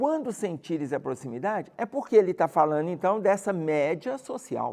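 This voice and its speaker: In a Brazilian accent, a man with a dark, mellow tone speaks at a high pitch and moderate pace, his pitch swinging very widely. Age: 60s. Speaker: spiritist study leader. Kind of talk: religious study talk. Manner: conversational, informal.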